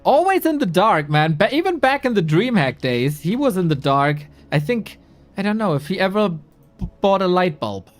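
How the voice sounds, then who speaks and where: A man's voice: high voice, very animated, moderate pace, faint music behind. A man from Germany, hosting a live esports broadcast and reading a sponsor spot in a chatty, playful, self-mocking way. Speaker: esports caster and host.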